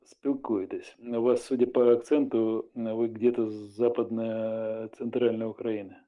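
A man's voice: fairly low pitch, level tone, a little slow, highs cut off. A man arguing heatedly in the street, interrupting often and stumbling over hesitant fillers. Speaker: passer-by in debate.

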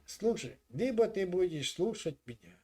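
Man, 60s, Ukrainian accent, high-pitched, mocking, halting video-chat talk. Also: very animated, a crowd in the background. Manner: taunting, halting, keeps saying "listen".

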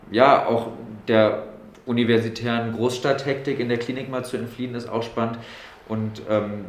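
A young man in his twenties, a medical student, answers questions in a practice room with a slightly low voice. He pauses and restarts as he thinks, and the room gives his voice a noticeable echo. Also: slight background noise. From Berlin, Germany. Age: 20s. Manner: thoughtful, many fillers and restarts. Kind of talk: interview answers.

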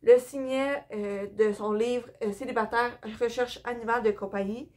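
A woman's voice: a little high, fairly even intonation, moderate pace, darkish tone. A young woman with a Québécois accent chatting casually about her books in a home vlog, hesitant with many fillers and a bit tired. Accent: Québécois French. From Quebec. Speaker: book vlogger. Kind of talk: casual book haul vlog. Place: indoor room with bookshelves.

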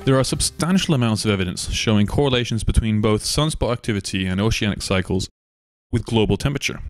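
A man with a fairly low voice reads a scripted documentary narration with faint music behind him. His delivery is measured and argumentative, posing rhetorical questions.

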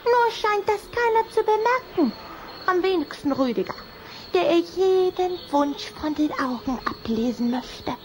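A woman's voice: very high voice, expressive, a little slow, a little mellow, a little hiss or hum. A woman playing a chatty, playful, gossipy little vampire girl with a girlish voice in a children's radio play. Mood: scornful.

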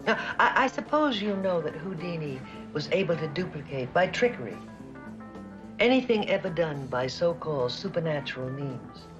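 A prim, guarded librarian. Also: female voice, deep voice, very animated, moderate pace. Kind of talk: 1970s TV drama acting. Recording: dull 1970s TV soundtrack with music.

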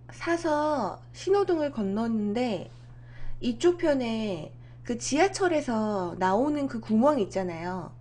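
A woman's voice: fairly high pitch, a little mellow. A woman streaming host telling a story in casual chat, acting out the dialogue and laughing often.

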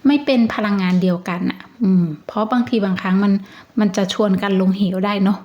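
Woman, tarot reader, casual monologue, gentle and chatty, mid pitch, slightly muffled sound. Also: steady tone, fast talker. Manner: chatty, gentle, reassuring, with many fillers.

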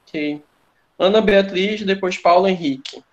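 A man's voice: sits high, a little slow, lo-fi sound. A Brazilian man teaching English online, calling on students and joking with the class. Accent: Brazilian Portuguese. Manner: joking, relaxed classroom banter. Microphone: computer mic on a video call.

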